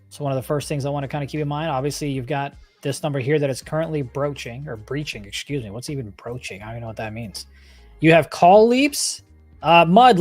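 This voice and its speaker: A man with a slightly high voice hosts a casual trading livestream over faint background music. He speaks informally and conversationally, addressing viewers directly as he gives live commentary. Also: a little mellow. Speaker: livestream host and stock trader.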